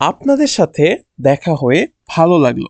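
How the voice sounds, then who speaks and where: Against a quiet background, a man with a Bengali accent talks at a fairly high pitch with very wide pitch swings, and the sound is dry and close with no echo. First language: Bengali (speaking Portuguese). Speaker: language teacher. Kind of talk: tutorial.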